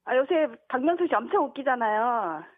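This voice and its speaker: A woman's voice: high voice, animated, fairly quick, no room sound. A woman in her forties with a Jeolla accent, calling in to a radio show, nervous and giggly. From Jeolla, Korea. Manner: nervous, giggly, drifting into standard speech. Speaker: radio caller. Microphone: telephone. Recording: phone-line caller.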